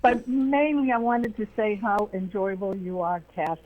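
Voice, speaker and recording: A woman calling in to a radio show, giving halting praise to the host and guest. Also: medium pitch, steady tone, crowd noise. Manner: warm praise, hesitant. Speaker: caller. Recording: tinny phone line.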